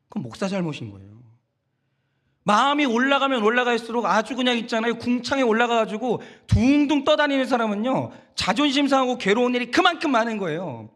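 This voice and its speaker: A man's voice: high-pitched, fairly bright tone. A middle-aged male pastor preaching a conversational sermon, firing rhetorical questions and acting out quoted voices.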